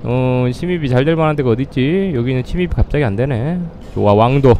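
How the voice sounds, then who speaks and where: A man's voice: medium pitch, a little fast, mellow, a little hiss or hum. A man streaming a game live, greeting viewers and trash-talking the opponents he fights.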